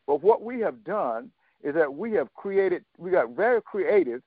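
A man's voice: on the high side, big pitch swings, breathy edge, dry recording. Older man on a tinny phone line. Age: 70s. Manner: halting, many fillers and restarts; storytelling, quoting others in dialogue. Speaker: guest. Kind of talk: interview on a talk radio show.

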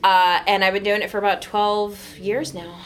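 A woman's voice: mid-range voice, flat delivery, moderate pace, low-quality recording. A woman in her thirties, a voice actor guest, chatting casually in an interview, laughing often and joking at her own expense. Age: 30s. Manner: laughs often, self-mocking sarcasm.

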